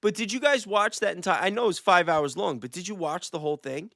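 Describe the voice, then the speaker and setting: A man hosting a casual livestream chat, talking excitedly and repeating phrases for emphasis. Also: sits high, quick pace, gravelly, dry recording, studio quality. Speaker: livestream host with a small channel.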